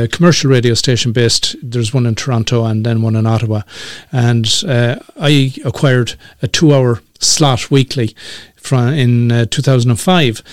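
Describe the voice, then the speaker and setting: A man in his sixties with an Irish accent, talking as a radio broadcaster in a measured, thoughtful way with many pauses and fillers. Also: medium pitch, no room sound, studio quality. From Ireland. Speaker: guest, community radio broadcaster. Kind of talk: conversational interview.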